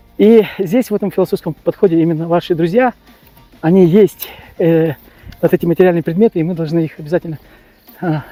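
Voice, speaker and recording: A man at a moderate pace, dry and close with no echo, music in the background. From Yakutia. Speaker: hunter and sport shooter. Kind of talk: casual talk to camera. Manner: hesitant, filler-heavy.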